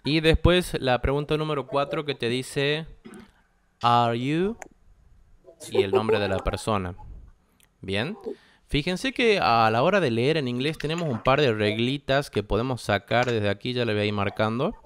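A man's voice: medium pitch, lively intonation, normal speed, a little hiss or hum. A young Argentine man teaching English in a classroom, explaining step by step and checking that students follow. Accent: Argentine Spanish. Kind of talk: classroom lesson.

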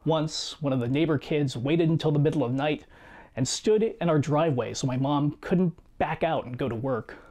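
A man in his thirties reading a scripted personal video essay in a measured, reflective way, seated in a small home studio. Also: fairly high pitch. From United States. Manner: measured, reflective storytelling with quiet asides. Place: small home studio room with guitars and shelves.

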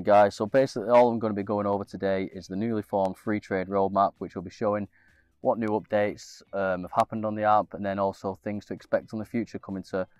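A young man with a very low, flat voice, slightly nasal and stuffed up from a cold. He rambles casually, circling back with fillers and restarts, recorded dry and close with faint music underneath. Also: no echo. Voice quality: a bit nasal. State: congested with a cold. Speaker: investing channel host. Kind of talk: casual screen-share walkthrough.

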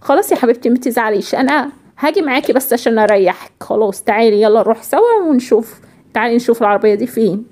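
Woman playing a soothing, patient Egyptian mom in a cartoon, high and quick. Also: animated, a little mellow. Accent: Egyptian Arabic. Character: gentle caring mother of a young girl.

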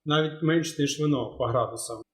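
A man's voice: on the high side, fairly quick. A man co-hosting a cocktail show, chatting casually and joking. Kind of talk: casual chat. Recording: echoey room.

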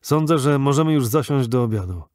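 A flustered middle-aged doctor, urgent and exclaiming, as an audiobook narrator puts him on. The voice sits a little higher than the reader's own and stays dark and mellow, recorded dry and close. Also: male voice, expressive, brisk, no echo, close to an everyday voice. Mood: puzzled.

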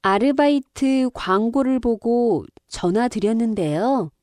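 A woman reading a scripted listening-test dialogue, slowly and with careful enunciation. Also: a little high, darkish tone, dry recording, clean studio sound. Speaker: dialogue reader on a Korean listening exam.

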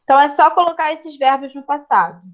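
Woman, Brazilian Portuguese accent, teacher, patient explaining, fairly high voice, slightly dull lo-fi sound. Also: quick pace, noisy background. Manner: patient, explanatory, checks in with students. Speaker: English teacher. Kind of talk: online class explanation.

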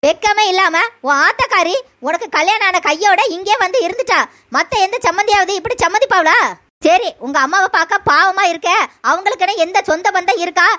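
A woman's voice: very high-pitched, brisk, sharp tone. A woman voicing a domineering, scolding middle-aged mother-in-law in a cartoon. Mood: bossy. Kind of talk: cartoon voice acting.

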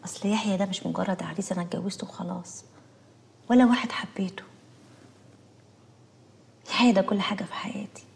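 An actress with an Egyptian accent playing a devoted, anxious young wife who pleads emotionally. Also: female voice, medium pitch, animated, very fast, pauses often, lightly acted. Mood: pleading. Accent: Egyptian Arabic. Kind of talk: TV drama acting.

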